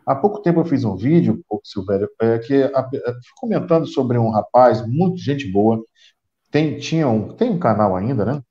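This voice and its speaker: A man's voice: mid-range voice, lively intonation, moderate pace, mellow. A middle-aged Brazilian man on a video call, explaining at length with frequent restarts. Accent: Brazilian Portuguese. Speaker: guest. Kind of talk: casual chat on a video call. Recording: roomy, dull video call audio.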